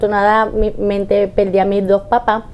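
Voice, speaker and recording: A woman from Ponce, Puerto Rico, with a Puerto Rican accent, telling her story as an artisan guest in a lively way. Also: medium pitch, normal speed. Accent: Puerto Rican Spanish. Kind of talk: interview answers.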